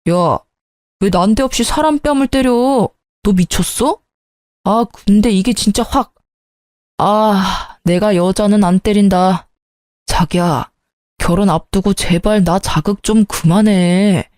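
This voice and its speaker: Woman putting on a deeper-voiced two-faced groom, brash, pleading, drama reading. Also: slow, a little mellow, no room sound, clean studio sound, natural voice. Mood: angry. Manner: brash, pleading when cornered.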